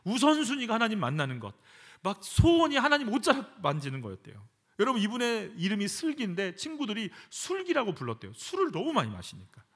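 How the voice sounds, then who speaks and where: Pastor, male, lively sermon delivery, a bit high, repeats lines for emphasis in church. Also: quick pace. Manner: animated preaching, acts out prayers with emphatic repetition. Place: church sanctuary.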